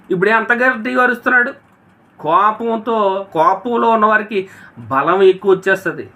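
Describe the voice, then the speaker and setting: A man delivering a sermon in a high voice with a bright, forceful edge. He speaks to his listeners directly and keeps asking them rhetorical questions. His delivery is earnest and steady. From India. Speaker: preacher.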